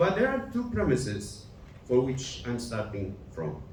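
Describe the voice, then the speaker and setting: With a Romanian accent, a man talks at a fairly slow pace and medium pitch as room echo is audible. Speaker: academic conference speaker. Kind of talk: conference presentation. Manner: halting, many filler sounds.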